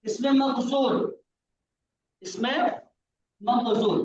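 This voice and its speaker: Speaking very slowly in an extremely high, darkish voice, this male teacher patiently walks a student through grammar. He repeats the main points and makes sure they are understood, while the lo-fi audio sounds distant, roomy and dull.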